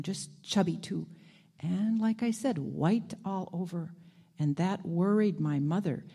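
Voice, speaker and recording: A woman reading aloud as a clever, proud old male dog, in a plain, unhurried storytelling voice. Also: medium pitch, dark tone.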